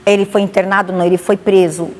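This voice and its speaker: A woman pastor with a Bahian accent, giving a lively spoken testimony and acting out the dialogue. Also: mid-range voice, fast talker, soft background music. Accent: Bahian Portuguese. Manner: animated, acts out dialogue. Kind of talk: testimony storytelling. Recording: long reverb, faint noise.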